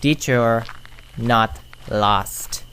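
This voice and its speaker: A woman's voice: very deep voice, drawn-out words, fairly bright tone, slight background noise, full character voice, rough recording. A woman playing a stubborn, breezy hiker in a scripted horror-show skit, nonchalant and a little defensive about being lost. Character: stubborn, breezy hiker who insists they aren't lost. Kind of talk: scripted character banter for a horror story show.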